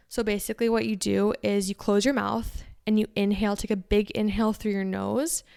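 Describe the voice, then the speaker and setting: A woman's voice: mid-range voice, vocal fry, clear, resonant tone. A young woman in her twenties hosting a podcast in casual chat, bubbly and chatty, laughing often. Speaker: podcast host.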